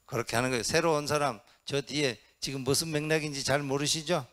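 Lively monk coaxing his audience. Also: fairly high pitch, quick pace, noisy background. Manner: lively, quizzes and coaxes the audience, acts out shouts. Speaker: Buddhist monk giving a dharma talk. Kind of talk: interactive sermon. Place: Buddhist hall.

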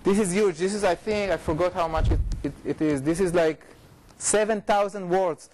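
A middle-aged man with an Israeli accent gives an informal academic talk, often halting, repeating and correcting himself. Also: high-pitched, a little mellow, a little hiss or hum, low-quality recording. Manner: informal, halting, frequent repetitions and self-corrections. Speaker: researcher giving a lecture. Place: lecture room, indoors.

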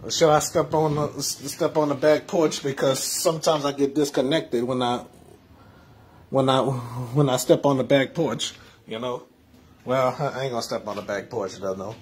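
A man's voice: mid-range voice, fairly even intonation, moderate pace, husky. Rambling man on a home livestream. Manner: rambling, repeats words, trails off softly. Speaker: livestream host. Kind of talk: casual livestream chat. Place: home, indoors.

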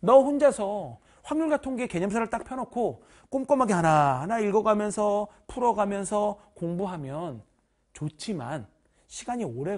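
A male math teacher giving an online course orientation, talking directly and informally to students in an animated, teasing way with bursts of loud emphasis. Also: sits high.

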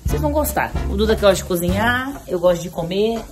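A woman's voice: mid-range voice, animated, fast talker, music in the background. A woman in her forties from Brazil, hosting a casual home vlog, talking to the camera while filming on a phone at arm's length in her apartment kitchen. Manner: chatty, talks to camera and to her toddler. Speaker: vlog host. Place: apartment kitchen and living room.

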